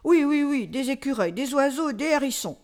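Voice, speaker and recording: A woman's voice: sits high, animated, moderate pace, darkish tone. A woman playing a patient, easily flustered storyteller who coaxes a child along in a comic radio dialogue. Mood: storytelling. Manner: hesitant, coaxing, as to a child.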